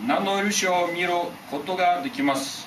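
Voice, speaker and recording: With audible room echo and light background noise, a man speaks in a raised, projected voice at a high pitch with ordinary pitch variation. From Bulgaria. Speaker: professor. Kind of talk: lecture. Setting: stage with audience. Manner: formal. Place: classroom. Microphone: camera far.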